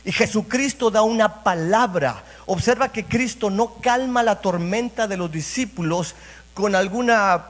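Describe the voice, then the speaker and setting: High-voiced man preaching in echoing church. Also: a little slow, a bit bright. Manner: repeats phrases, addresses congregation directly. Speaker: pastor. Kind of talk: sermon. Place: church sanctuary. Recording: reverberant church hall.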